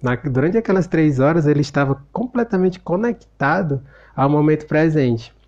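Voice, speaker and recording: A man's voice: on the high side, lively intonation, normal speed, darkish tone, lo-fi sound. A man with a Brazilian Portuguese accent, giving a casual spoken commentary on a book and retelling a film scene in a reflective, storytelling way.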